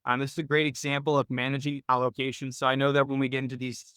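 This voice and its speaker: Clear-voiced man hosting a live coaching call. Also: medium pitch, little pitch movement, fast, fairly bright tone, dry recording, studio quality. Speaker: host of a live trading Q&A call. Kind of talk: informal financial coaching, live webinar commentary.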